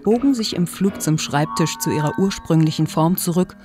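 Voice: medium pitch, animated, normal speed, music in the background. A narrator reading scripted scene descriptions for an audio drama.

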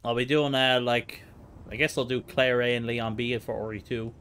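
A man's voice: mid-range voice, steady tone, moderate pace, fairly bright tone, slight background noise. A man giving casual live commentary as he plays a video game, with playful asides. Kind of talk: casual gaming livestream commentary. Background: horror game sound.

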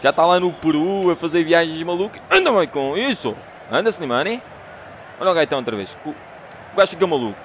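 A man with a European Portuguese accent giving excitable, shouting commentary while playing a football game. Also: a little high, a little fast, muffled recording, slight background noise. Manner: excitable, shouts at the game, calls players by name. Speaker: gamer. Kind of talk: gameplay commentary.

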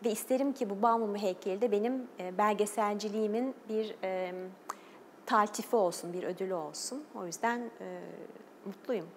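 A woman's voice: mid-range voice, normal speed. TV guest, woman, earnest, hesitant fillers, long studio reverb, faint hiss. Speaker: guest, journalist and documentary maker. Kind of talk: TV interview talk.

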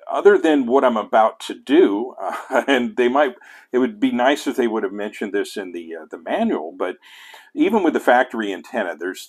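A middle-aged man with an American accent and a somewhat low voice presents a hands-on tutorial. His delivery is conversational and unscripted. He often circles back to reword a phrase as he thinks it through. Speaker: host of an amateur radio tutorial series. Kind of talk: casual hands-on demonstration talk.

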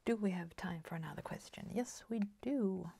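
A Swedish woman in her forties with a Swedish accent, chatting softly at her craft table with many fillers and half-whispered asides. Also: medium pitch, normal speed, gravelly, husky, no echo. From Sweden. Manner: soft-spoken, slips into whispers, many fillers. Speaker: crafting channel host. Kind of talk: casual chat while crafting. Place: home craft table, indoors.

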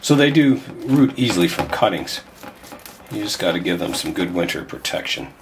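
An older man with a hoarse voice from a cold, hosting a bonsai channel and chatting casually as he works with his hands in a glass greenhouse, thinking aloud as he goes. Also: low voice, animated, normal speed, a little hiss or hum.

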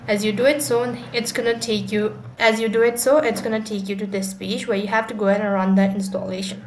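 A woman's voice: mid-range voice, fairly even intonation, a little fast, a little mellow. Woman tutorial host in an echoey room. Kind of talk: explanatory screen tutorial voice-over. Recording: echoey room with clear background noise.

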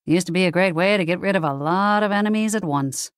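A woman's voice: lowish voice, fast, clean tone, no echo, clean studio sound, lightly acted. A woman voicing the ghost of a wisecracking, slangy 1940s male detective in an audiobook. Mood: brisk, slangy. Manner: wisecracking old-time gangster slang. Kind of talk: audiobook character dialogue.

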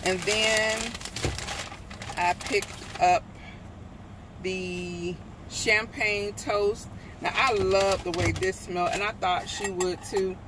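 A woman's voice: mid-range voice, fairly even intonation, takes it slowly. A middle-aged woman chatting casually in a shopping haul vlog, rambling with frequent ums and self-corrections, filmed on a handheld phone. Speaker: vlogger. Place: store then parked car with air conditioner on. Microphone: handheld phone at arm's length. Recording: noisy phone video in a car. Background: car and street noise.

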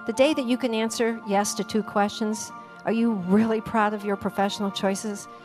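A woman's voice: mid-range voice, steady tone, normal speed. Older woman, motivational keynote speaker, handheld mic, emphatic, roomy reverb, faint music behind. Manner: punchy, emphatic, audience-addressing delivery. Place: large conference stage. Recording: roomy hall with long reverb.

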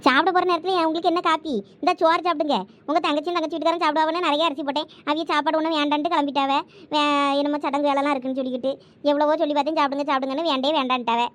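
A woman's voice: high voice, flat delivery, rapid-fire, few pauses, fairly bright tone. A young woman with a Thoothukudi Tamil accent, bickering through domestic dialogue in a village comedy skit. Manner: bickering, domestic back-and-forth.

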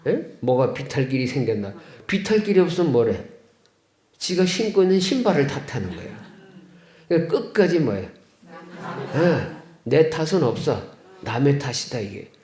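A folksy priest in an echoey chapel. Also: male voice, a little high, darkish tone. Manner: folksy, asks the congregation questions. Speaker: Catholic priest. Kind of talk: homily. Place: chapel of a care center. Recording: echoey room.

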